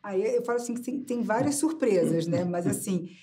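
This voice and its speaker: A woman's voice: mid-range voice, animated, a little fast, dark tone. A woman answering an interview question, rambling a little and often adding tag questions.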